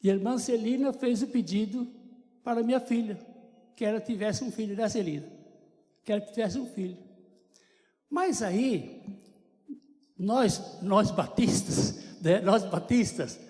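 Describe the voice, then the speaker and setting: A man's voice: high-pitched, unhurried, pauses often, warm tone. An older man with a Brazilian Portuguese accent, giving a chatty church testimony to a congregation with joking asides. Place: church sanctuary. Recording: long church reverb.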